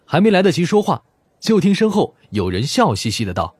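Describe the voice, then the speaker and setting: A man's voice: a little high, huge pitch swings, brisk, a little mellow, husky, dry recording. A man reading a mystery novel as a scripted audiobook narration.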